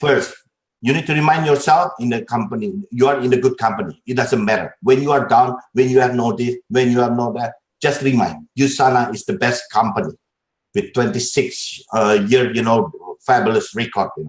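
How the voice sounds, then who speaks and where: A man with an Indonesian accent speaks at medium pitch and a moderate pace. His voice is somewhat breathy, with lively intonation. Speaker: network marketing distributor, former business owner. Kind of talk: interview. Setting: live webinar. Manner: halting, hesitant.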